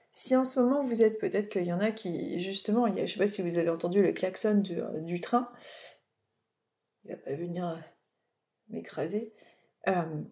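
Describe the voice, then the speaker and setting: Chatty French woman with a mellow voice. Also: medium pitch. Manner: chatty, rambling, digressive with many fillers. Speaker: medium giving oracle card readings. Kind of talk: casual spiritual guidance talk.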